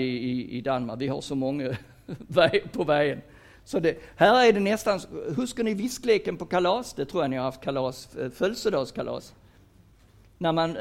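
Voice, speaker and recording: A retired man in his sixties from Sweden, giving a lecture on career guidance and mixing Danish words into his Swedish in an animated, playful way. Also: high-pitched, gravelly. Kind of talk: lecture to an audience.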